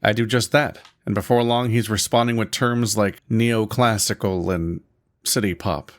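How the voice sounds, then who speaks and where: A man's voice: fairly low pitch, steady tone, moderate pace. A man narrating his own video in a scripted, first-person storytelling style. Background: guitar music.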